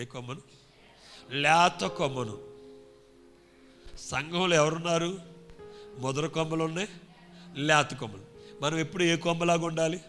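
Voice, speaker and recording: A male pastor preaching with a sharp, very bright voice that sits high for a man. He fires questions at the congregation, pushes them to answer louder, and breaks into shouted praise. Soft music plays under the sermon. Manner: call-and-response preaching, shouting hallelujahs.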